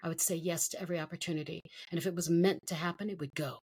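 A woman's voice: lowish voice, fairly even intonation, racing, a little mellow, husky. A middle-aged woman telling her personal story as a guest in an interview, emotional and vivid, acting out what others said. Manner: emotional, storytelling with quoted voices.

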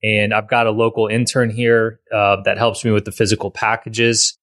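A man's voice: fairly low pitch, little pitch movement, normal speed, fairly bright tone, dry recording, clean studio sound. A man hosting a podcast in casual conversation, rambling with frequent restarts and repeated words. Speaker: podcast host.

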